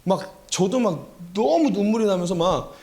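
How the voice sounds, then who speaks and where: A man's voice: sits high, normal speed. A man preaching a revival sermon as pastor, telling a personal story and asking the congregation questions. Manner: animated, acts out quoted voices, rhetorical questions to congregation.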